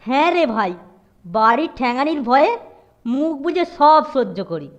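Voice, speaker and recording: A woman's voice: high-pitched, big pitch swings, moderate pace, muffled recording. A woman voicing a cheeky, exasperated young schoolboy in a comic cartoon, talking in slangy grumbles, with faint music behind. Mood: exasperated, grumbling. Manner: slangy, grumbling, mock-polite.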